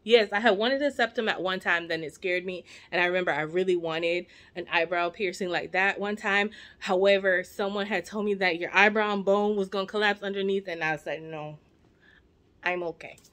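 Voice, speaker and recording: A woman's voice: mid-range voice, fairly even intonation, moderate pace, fairly bright tone. Chatty woman in her forties. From Jamaica. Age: 40s. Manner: chatty, rambling, playful asides to viewers. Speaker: vlogger. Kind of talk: casual chat to camera. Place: living room at home. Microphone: camera at arm's length.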